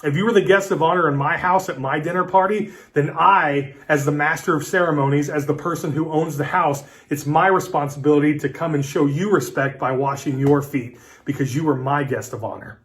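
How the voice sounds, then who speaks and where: A man in his thirties giving a midweek devotional sermon as pastor, talking in a relaxed, conversational, storytelling way with casual fillers. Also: fairly high pitch, a little fast, hardly any pauses. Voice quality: conversational, storytelling delivery with acted-out dialogue. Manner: relaxed, folksy preaching with fillers like "like" and "listen".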